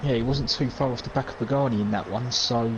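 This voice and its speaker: Male co-commentator, measured delivery, mid pitch, noisy home recording. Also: steady tone, dull audio. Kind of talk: casual race-preview commentary. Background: dog at home.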